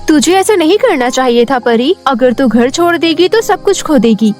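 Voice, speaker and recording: Woman as a sly, high-pitched teenage schemer. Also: lively intonation, moderate pace, darkish tone, faint music behind. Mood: conniving. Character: sly teenage girl friend giving wicked advice. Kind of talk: cartoon fairy-tale character acting.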